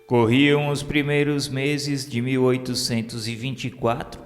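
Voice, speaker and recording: A man's voice: mid-range voice, flat delivery, unhurried. Male narrator, religious radio drama: solemn scripted storytelling, declamatory, long reverb, music bed beneath.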